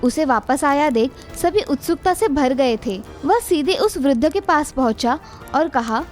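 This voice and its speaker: High-voiced woman narrating a story. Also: a little slow, faint music behind. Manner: even, dramatic storytelling.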